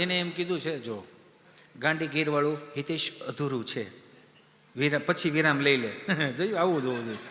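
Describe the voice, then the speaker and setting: A male stage comedian tells folk stories to a live crowd. He shouts his punchlines and laughs through his lines. His voice is high and very bright, with a long hall reverb behind it. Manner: animated, shouts punchlines, laughs mid-sentence.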